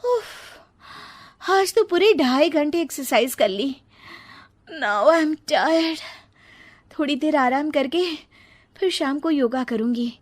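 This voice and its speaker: A woman's voice: high voice, expressive, voice pushed up. A woman voicing a young, fitness-obsessed daughter-in-law who fusses in a cartoon story. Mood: tired. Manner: fussy, self-absorbed, drawn-out.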